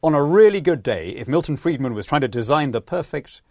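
A man's voice: fairly high pitch, a little fast, no room sound, clean studio sound. A man with a British accent, a podcast guest, talking animatedly, acting out quotes with many restarts. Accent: British English. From born in Peru, lives in England. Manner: lively storyteller, acts out quotes, frequent restarts. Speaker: guest, politician.

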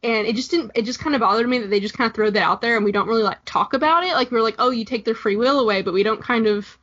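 A woman's voice: on the high side, rapid-fire, a bit bright. A woman co-hosting a podcast, talking casually in a rambling, hesitant way full of "like". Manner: rambling, heavy use of "like", hesitant. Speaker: podcast co-host. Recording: dull lo-fi recording.

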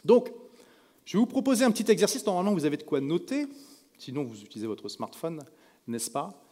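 A man from France speaking to a live audience from a stage, telling anecdotes in a lively way and acting out the people he quotes. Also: fairly high pitch, fairly quick. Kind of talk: storytelling talk to a live audience. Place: stage in a large event hall. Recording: echoey hall reverb.

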